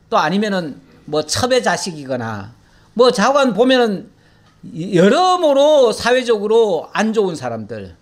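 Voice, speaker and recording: A middle-aged male pastor giving a folksy, conversational Bible teaching sermon, acting out prayers in a pleading voice. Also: high-pitched. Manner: folksy, acts out prayers in a pleading voice, laughs often.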